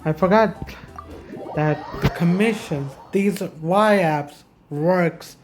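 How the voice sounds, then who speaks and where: Low-voiced woman commenting on gameplay. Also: takes it slowly, over music. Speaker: gaming streamer.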